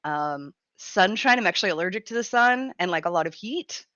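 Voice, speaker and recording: A woman in her thirties hosting a radio show in casual chat, her voice raspy and gruff from a cold, chatty and laughing often. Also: lowish voice, animated, brisk, fairly bright tone, no echo, highs cut off. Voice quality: raspy, grumbly. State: has a cold, gruff throat. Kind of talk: casual live-stream chat.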